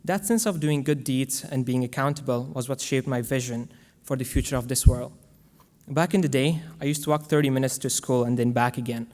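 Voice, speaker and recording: A young man from Afghanistan, giving an earnest, measured prepared speech as guest speaker to a school audience. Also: mid-range voice, a little mellow. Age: young adult. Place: large school hall. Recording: long hall reverb.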